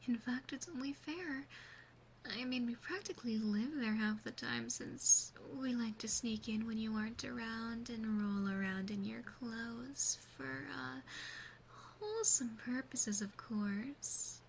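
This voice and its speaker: A woman voicing an obsessive, doting demon sister in an ASMR roleplay, speaking softly and close with breathy whispering. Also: a little high, measured pace, a little hiss or hum, low-quality recording. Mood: gently reassuring. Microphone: close binaural microphone.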